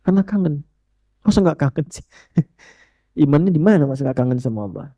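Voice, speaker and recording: A man preaching a sermon, telling a story with lively swings of pitch and asking the audience questions. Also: fairly quick, no room sound.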